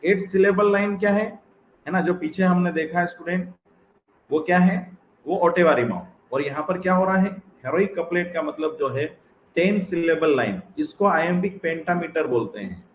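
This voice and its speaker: A man's voice: sits high, moderate pace, dull audio. Man lecturing in an echoey room. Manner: explains step by step, often addresses "student"; mixes English phrases into Hindi. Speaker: teacher. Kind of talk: exam-prep literature lecture. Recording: echoey room with faint noise.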